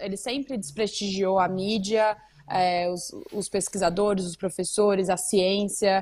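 Here a woman has an unremarkable speaking voice at medium pitch. She talks at a fairly slow pace with fairly even intonation. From Brazil. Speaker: actress. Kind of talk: casual chat.

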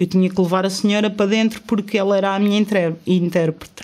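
With a European Portuguese accent, a woman talks at a fairly quick pace in a medium pitch. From Portugal. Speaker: cycle traveller. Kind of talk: casual interview. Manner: animated.

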